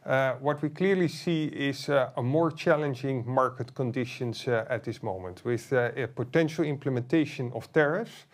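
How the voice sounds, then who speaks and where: Male CEO addressing investors on an earnings call, average pitch, corporate and somewhat halting. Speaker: chief executive.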